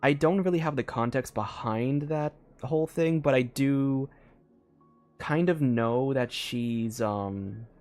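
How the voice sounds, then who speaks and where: A man's voice: medium pitch, slow pace, darkish tone, faint music behind. A young man giving casual live commentary on a game, rambling and thinking aloud with lots of fillers. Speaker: game streamer.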